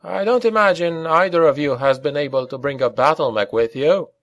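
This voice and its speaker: A man's voice: a little high, a little fast, a bit bright, dry recording, pitched above the performer's own voice. A man voicing an earnest, worried and discouraged man in an audiobook. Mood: hopeless, rueful. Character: worried, discouraged local man at odds with tyranny.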